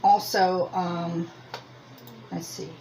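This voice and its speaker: Very slow and dark-toned, her low voice barely moves in pitch, and the rough recording has slight background noise. The woman, from Lancaster County, Pennsylvania with a Pennsylvania Dutch American accent, hosts a crochet and yarn channel and rambles self-deprecatingly through a chatty homemade review.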